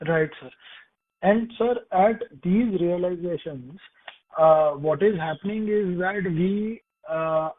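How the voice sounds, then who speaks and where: A man's voice: sits high, no room sound. A man with an Indian accent, an investment analyst putting questions to company management on an earnings call. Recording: dry, thin phone line.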